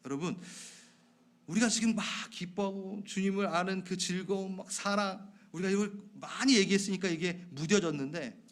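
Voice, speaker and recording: A high-pitched male pastor preaches at a moderate pace inside a church sanctuary. Chatting with the congregation as he goes, he asks them questions and drops from booming emphasis into quiet whispered asides.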